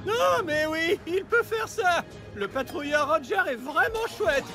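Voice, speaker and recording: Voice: very high-pitched, animated, measured pace, heavily acted. An actor playing a chatty, self-important little robot sidekick in a children's cartoon, with pompous, mock-scientific phrasing. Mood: doubtful, then impressed. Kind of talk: animated children's cartoon dub. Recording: music behind the voice.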